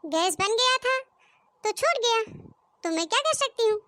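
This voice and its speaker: A woman's voice: very high voice, animated, moderate pace, pushed and bright, no room sound, studio quality, exaggerated voice. A woman voicing a cheeky young daughter-in-law in a comic cartoon, talking back in a whiny, defiant way. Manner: whiny, defiant, sing-song pleading.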